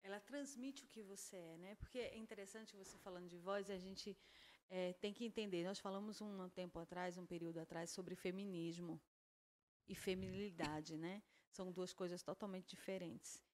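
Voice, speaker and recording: A woman's voice: fairly low pitch, fairly even intonation, normal speed, darkish tone, a little hiss or hum. A woman hosting a Christian podcast, affirming her guest enthusiastically and weaving in religious exclamations. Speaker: podcast host. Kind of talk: faith-based podcast conversation.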